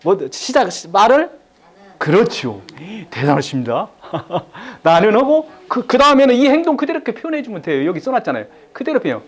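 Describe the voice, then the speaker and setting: A man's voice: sits high, sing-song, a little fast, husky. A middle-aged man giving a live lecture to an audience, repeating key phrases and having them echo him back.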